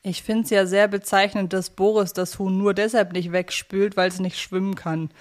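A woman's voice: medium pitch, steady tone, normal speed. Woman cohosting a podcast, chatty casual review talk, mid-range voice. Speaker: podcast co-host. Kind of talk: casual audio drama review chat.

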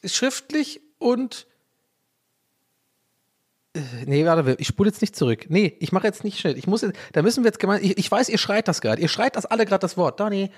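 A man from Ireland whose first language is English, hosting a casual solo podcast in German. He rambles, swears, mocks himself and jumps up in pitch when he jokes. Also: creaky. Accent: Irish English speaker talking German. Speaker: podcast host.

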